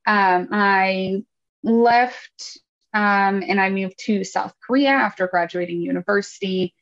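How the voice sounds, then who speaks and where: A woman's voice: mid-range voice, slow pace, a bit bright, lo-fi sound. A woman from Washington State with a Seattle-area accent, an English teacher chatting casually as a podcast guest and laughing easily. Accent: Seattle-area American English. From Washington State, USA.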